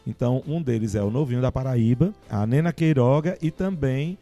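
Mellow-voiced male podcast host. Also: medium pitch, a little fast, soft background music. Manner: friendly, asks questions, short backchannels. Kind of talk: casual interview chat.

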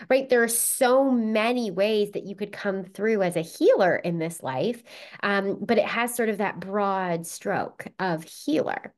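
A woman with a cold and a stuffed-up voice, explaining spiritual ideas in a casual, conversational way, often checking in with "right?". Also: medium pitch. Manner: conversational, frequent "right?" and "you know" fillers. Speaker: spiritual teacher.

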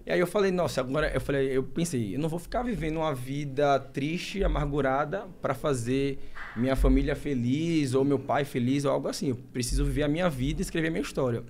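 A young man from Brazil talks rapidly as an interview guest. His voice sits a little high, and he breaks off, restarts and pushes on through an emotional personal account. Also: darkish tone, a little hiss or hum. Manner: emotional, halting, many restarts and fillers.

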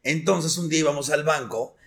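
A Mexican man with a slightly high voice chats casually. He jokes around and uses crude banter while telling his own stories. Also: a little fast, vocal fry, fairly bright tone, roomy sound. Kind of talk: casual chat.

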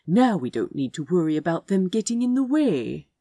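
A woman's voice: fairly low pitch, big pitch swings, normal speed, mellow, no room sound, clean studio sound. A woman voicing an earnest, protective prince who is tender with his lover, in a storybook reading. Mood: firm.

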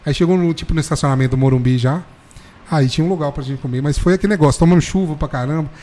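A man telling an animated, slangy story in casual chat, peppering it with "velho". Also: a little high, rapid-fire. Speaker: football fan telling a story.

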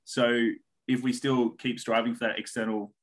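A man's voice: mid-range voice, little pitch movement, moderate pace. A man with an Australian accent, a podcast guest talking in a reflective, philosophical way and swearing casually. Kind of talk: casual chat.

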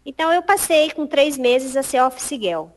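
High-voiced woman telling stories. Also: moderate pace. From Piauí, Brazil. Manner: acts out past conversations, animated. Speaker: interview guest. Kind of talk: lively storytelling.

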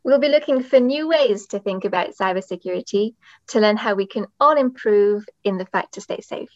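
A woman's voice: mid-range voice, moderate pace, no echo. A woman hosting a podcast in a conversational interviewing style. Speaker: podcast host. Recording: dull, band-limited dry microphone sound.

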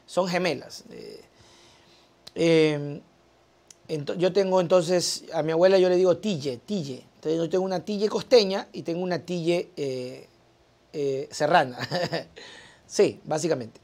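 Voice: medium pitch, unhurried, gravelly, pauses often, darkish tone. A co-host, telling a family story in casual chat. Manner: chatty, anecdotal.

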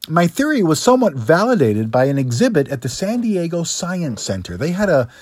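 Middle aged guy coaching in a scripted talk, slightly husky voice pushed a bit high, dry close sound. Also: very animated, a little fast, darkish tone, no room sound. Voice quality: practiced higher register. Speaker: public speaking coach, host. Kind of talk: scripted instructional monologue.

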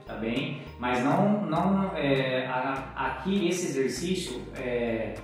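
A man's voice: medium pitch, expressive, takes it slowly. Man explaining in an echoey room. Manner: explanatory, uses many fillers and tag questions. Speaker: co-host, teacher giving literacy tips. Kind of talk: live-stream Q&A talk. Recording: echoey room, far from mic, faint music.

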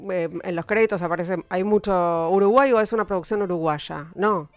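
A woman's voice: on the low side, brisk, dry recording. A woman hosting an interview, often rephrasing her questions as she asks them. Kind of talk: casual interview.

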